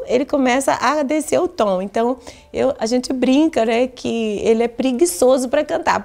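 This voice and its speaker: A woman's voice: high-pitched, vocal fry, dark tone. A woman in a documentary interview, speaking reflectively about her father with easy laughter. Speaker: interviewee, daughter of a pastor.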